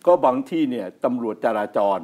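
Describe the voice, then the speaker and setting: A man's voice: mid-range voice, a little fast, highs cut off. An older man, co-hosting a talk show and telling anecdotes in casual chat. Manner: anecdotal, animated storyteller. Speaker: show co-host.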